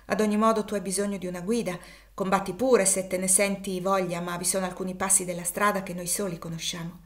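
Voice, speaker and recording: A woman's voice: medium pitch, flat delivery, quick pace, natural voice. A woman voicing a shrewd, brash man who guides fugitives, telling his account with a wry manner. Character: brash shrewd male backwoods Quaker guide.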